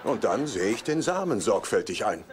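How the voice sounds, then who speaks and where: An actor playing a guileless, chatty, oblivious suburban husband in a dubbed sitcom. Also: male voice, lowish voice, sing-song, moderate pace. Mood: earnest, oblivious. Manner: earnest, oblivious. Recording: very noisy TV soundtrack with ambience.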